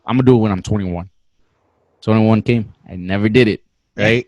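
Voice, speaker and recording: A young man in his twenties telling a long story in a slangy, animated way, swearing as he goes. His voice sits a little low, and the recording is dry and close. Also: a little fast, dry recording, muffled recording. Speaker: podcast guest. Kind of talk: casual storytelling.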